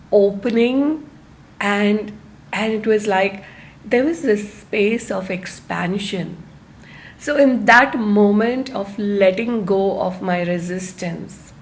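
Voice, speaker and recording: A woman hosting a live online self-help talk, speaking to her viewers in a halting, deliberate way with stressed phrases. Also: mid-range voice, slight background noise. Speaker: host of a live-streamed self-help series.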